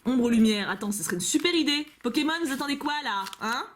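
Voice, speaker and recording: Bubbly young French-speaking woman, lively pitch. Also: fast. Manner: gushing, playful, chatty with frequent laughs. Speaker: YouTuber opening fan mail. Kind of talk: casual unboxing chat. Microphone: camcorder.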